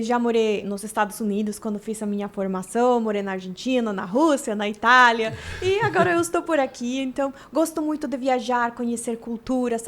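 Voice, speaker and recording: A woman from Mexico talks with a Mexican Spanish accent, her first language being Spanish. Her voice sits high, and she tells her story in a reflective, conversational way as an interview guest. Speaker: podcast guest, business consultant.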